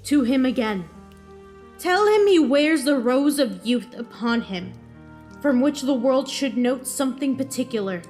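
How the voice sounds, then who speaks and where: A woman's voice: high-pitched, lively intonation, measured pace, a little mellow. A woman playing a proud, defiant, aging Roman general in a Shakespearean audio drama, declaiming in a challenging tone. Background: music.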